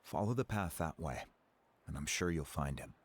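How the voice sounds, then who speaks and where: An actor playing a calm, helpful tribal mentor in a video game, explaining things in a measured, encouraging way. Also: male voice, rumbling low, a little hiss or hum. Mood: calm, explanatory. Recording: game music clearly behind.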